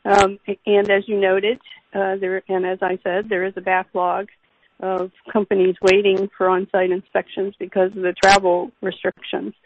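A woman company executive speaks in a careful, formal way, explaining things step by step on an earnings call. Her delivery is fairly even, and the conference line is dull with a clear hiss. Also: medium pitch, moderate pace. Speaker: company executive answering analysts' questions. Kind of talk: earnings call question and answer.

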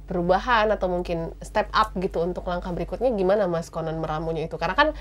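A woman's voice: fairly low pitch, fast talker. A woman hosting a casual podcast interview, asking questions politely and nodding along with short agreements. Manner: attentive, frequent short agreements, polite address. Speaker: podcast host.

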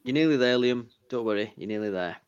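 A man's voice: mid-range voice, fast talker, clean tone, no room sound, dull audio. A man hosting a casual football podcast, joking as he presents each segment. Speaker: podcast host.

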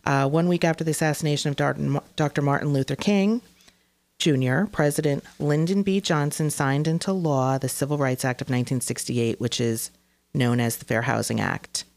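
Low gravelly lady host, lots of ums, dry close sound. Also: moderate pace, a little mellow, no echo. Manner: many fillers and hesitations. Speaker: real estate show host. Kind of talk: casual explanatory chat.

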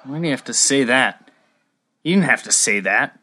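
Lady doing a stubborn young squire boy, really deep voice, earnest, kinda hushed, fantasy audiobook style. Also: animated, normal speed, full character voice. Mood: indignant.

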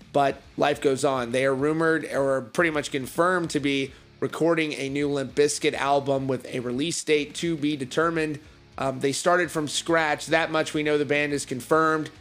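A man hosts a music news update in an upbeat presenter style. His voice sits a little higher than average for a man. Music plays behind him as he gives his commentary. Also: fairly bright tone. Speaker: host of a rock music news show.

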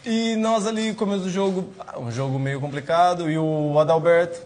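A former footballer recalls an old match with amused chattiness, his voice pitched a bit above average. He tells it loosely and with relish. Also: moderate pace, heavy background noise. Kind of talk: casual storytelling.

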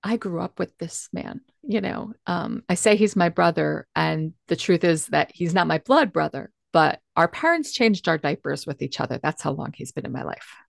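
A woman's voice: low-pitched, expressive, moderate pace, gravelly, few pauses, dry recording, studio quality. A woman speaking candidly and emotionally in a conversation, earnest and emphatic.

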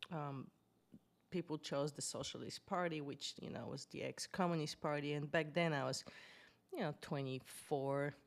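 Low-voiced woman with a Bulgarian accent. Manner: animated, hesitant with many fillers. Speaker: guest. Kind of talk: conversational storytelling interview.

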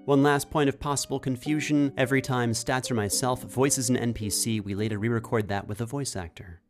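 A man's voice: mid-range voice, fairly even intonation, fairly quick. A man working as game master, narrating horror fantasy in an ornate, theatrical scripted style over music.

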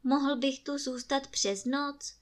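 A woman's voice: high-pitched, pitched above the performer's own voice, lightly acted. A woman voicing an eager young wanderer in a storybook reading.

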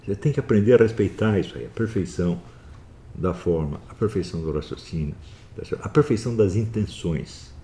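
A man with a very low, dark voice gives a lecture to his students. He talks emphatically, scolds at times and keeps checking in with tag questions. A faint hiss sits under the recording. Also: a little fast. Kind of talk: philosophy lecture.

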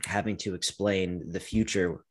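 A man with a fairly low voice, chatting casually on a podcast. He teases and argues back in a playful way, with plenty of fillers. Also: fairly even intonation, unhurried. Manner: playful, teasing, contrarian. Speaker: podcast host. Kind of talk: casual movie review chat.

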